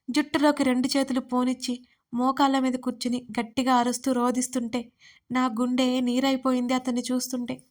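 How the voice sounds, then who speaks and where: Young female storyteller, high pitch, flat delivery, emotional first-person audio story. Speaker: writer and narrator. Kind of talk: storytelling narration.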